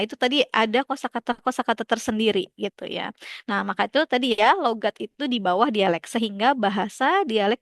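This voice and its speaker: A woman's voice: fairly high pitch, no echo, clean studio sound. A young woman teaching a class, talking casually, laughing often and asking students questions, with many fillers.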